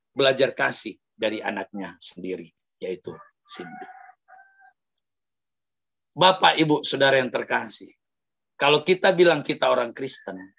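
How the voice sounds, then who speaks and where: Bright gravelly male preacher. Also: medium pitch, lo-fi sound. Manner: animated, addresses the congregation directly. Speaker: pastor. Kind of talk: sermon storytelling. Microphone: livestream sermon mic.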